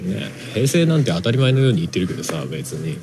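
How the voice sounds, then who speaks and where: A man talks at a very fast pace with very wide pitch swings over noticeable background noise. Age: 30s. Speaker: podcast host. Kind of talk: casual chat.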